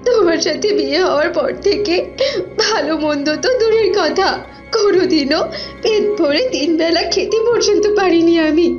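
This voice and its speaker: A woman's voice: very high voice, moderate pace. A woman voicing an aggrieved, tearful fox wife who wails and complains in a cartoon, on a dull recording over music. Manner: wailing, complaining.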